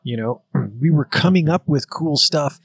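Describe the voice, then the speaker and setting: A man's voice: a little high, unhurried, husky, no echo. A Canadian man co-hosting a podcast in casual chat, rambling with lots of fillers and restarts. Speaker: podcast co-host.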